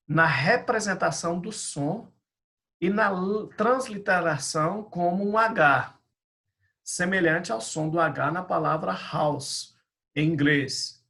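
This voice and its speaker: A middle-aged man teaches a language lesson in a gravelly voice. He pitches it slightly high and explains patiently, restating each point. He talks like a pastor guiding a class. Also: sharp tone.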